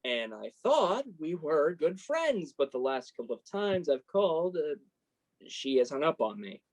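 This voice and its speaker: A man's voice: a little high, very animated, measured pace. A man playing a sensitive, embarrassed college freshman in a play reading, guarded and dryly self-deprecating. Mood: troubled, explaining. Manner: self-deprecating, dry sarcasm. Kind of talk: staged reading of a play, naturalistic dialogue.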